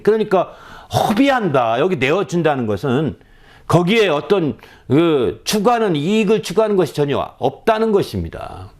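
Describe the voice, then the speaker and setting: A middle-aged man preaching a sermon, animated, with many rhetorical questions and homely story asides. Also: fairly high pitch. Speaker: pastor.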